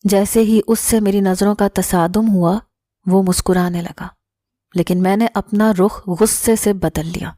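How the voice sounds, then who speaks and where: Mellow woman narrating a story. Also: mid-range voice, fairly even intonation, no echo, studio quality. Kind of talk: scripted first-person story narration.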